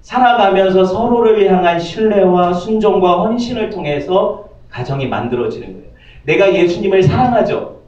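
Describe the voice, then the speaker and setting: A man's voice: sits high, expressive, normal speed, darkish tone. A man preaching a sermon as pastor, joking and asking his congregation questions. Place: church sanctuary. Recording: distant, echoey, slightly dull church audio.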